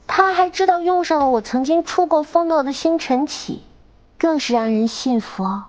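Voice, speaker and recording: A woman's voice: sits high, normal speed, natural voice. An actress playing a clever, composed young noblewoman in a period drama, courteous with playful asides. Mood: wry. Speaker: commandery princess heroine.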